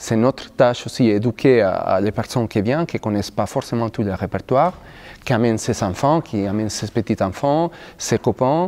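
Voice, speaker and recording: Speaking at a moderate pace with a Spanish accent, a man has a medium pitch and a dark, mellow tone. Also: ordinary pitch variation. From Spain. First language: Spanish (speaking French). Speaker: orchestra conductor. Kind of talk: interview. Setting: opera house. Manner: halting, many repetitions.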